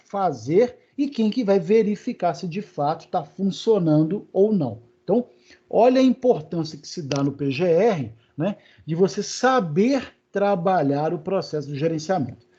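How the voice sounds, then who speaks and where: Brazilian male lecturer, husky mellow voice, loose conversational delivery, lo-fi video-call audio. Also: high-pitched. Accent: Brazilian Portuguese. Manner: conversational, many fillers and check-ins with students. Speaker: university lecturer. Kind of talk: live online lecture. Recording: dull, lo-fi online class audio.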